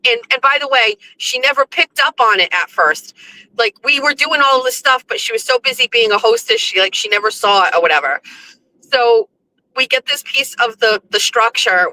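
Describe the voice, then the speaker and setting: A young woman with a hoarse voice, telling a story on her own show in a casual, chatty way, laughing often and swearing freely. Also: fairly high pitch, bright, forceful tone, slight background noise, poor audio. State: hoarse from screaming. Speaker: podcast host.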